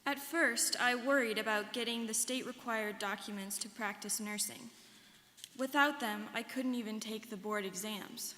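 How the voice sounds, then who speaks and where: A young woman with a bright, raised voice plays a sincere alumna looking back on hardship. The stage reading is deliberate and projected, and it rings with long hall reverb. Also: a little high. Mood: heartfelt. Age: young adult. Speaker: student performer in a dramatic reading. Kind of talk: scripted first-person dramatic reading. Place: large hall.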